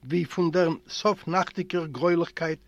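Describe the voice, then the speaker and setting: A man's voice: normal speed, dull audio. A man, a native Yiddish speaker, reading a literary memoir aloud and giving the characters their own voices. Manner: expressive, voices characters with raised pitch. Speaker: audiobook reader. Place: library recording room.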